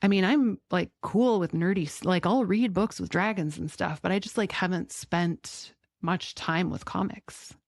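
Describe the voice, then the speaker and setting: A woman's voice: on the low side, measured pace, vocal fry, few pauses, no room sound. A woman hosting a podcast in a casual, conversational interview style, peppering her talk with "like". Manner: conversational, frequent "like". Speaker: podcast host.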